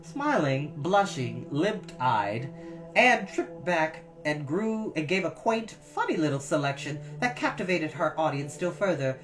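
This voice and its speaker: A woman reading a story aloud with expressive, emphatic, dramatic delivery, as a storytime host. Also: sits low, a little slow. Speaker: storytime reader. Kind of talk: expressive story narration with encouraging asides. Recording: slightly distant mic, music behind.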